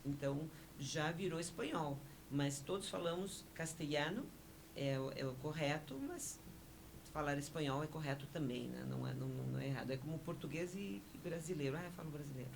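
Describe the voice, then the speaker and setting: A woman whose first language is Spanish, explaining things in a measured way as a guest on a radio interview. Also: sits low, lively intonation, creaky, noisy background. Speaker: interview guest, honorary consul.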